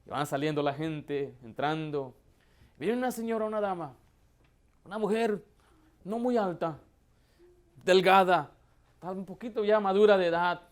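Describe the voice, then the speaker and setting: A man, a pastor, preaching a sermon with emphatic rhetorical questions that build to loud, impassioned emphasis. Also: high-pitched, unhurried, long pauses.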